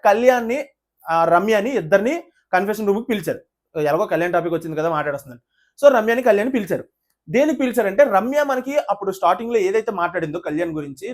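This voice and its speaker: A reality show reviewer with a mid-range voice offers casual, indignant commentary to the camera. The talk is full of rhetorical questions and direct appeals to viewers.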